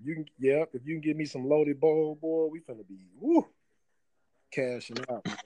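A man in his thirties co-hosting a casual podcast, joking and bantering in relaxed slang. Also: a little high, fairly quick, dry recording. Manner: laid-back slangy banter with laughs. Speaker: podcast co-host. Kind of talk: casual chat.

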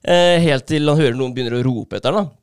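A man tells a story in an easy, chatty way, breaking in with fillers and bursts of laughter. His voice has a gravelly edge but stays smooth and resonant. The sound is dry and close, with no room echo. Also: mid-range voice. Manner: animated retelling with many fillers and laughs. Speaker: podcast co-host. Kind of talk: casual storytelling chat.

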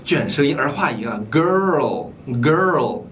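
A man's voice: mid-range voice, animated, fairly bright tone, slight background noise. Man lecturing as a mock English teacher. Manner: slowly overenunciates English words; lecturing tone, addresses the student directly. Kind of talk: comedy sketch.

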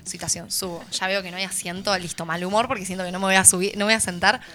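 An Argentine woman with a Rioplatense accent co-hosts a relaxed radio chat. Her tone is bright and crisp, her delivery chatty and animated. A little music sits faintly under her voice. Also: mid-range voice, quick pace. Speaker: radio show co-host. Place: radio studio.

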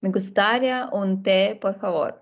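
A woman's voice: medium pitch, normal speed, lo-fi sound. A woman with a Russian accent, a native Russian speaker, hesitantly repeating phrases as a student in a casual language lesson.

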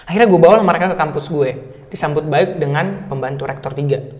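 A man telling stories as a guest in casual chat, animated and playful, often acting out what others said. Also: a little high, fast talker. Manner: animated, acts out quoted voices, laughs often. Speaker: podcast guest. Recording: long hall reverb.

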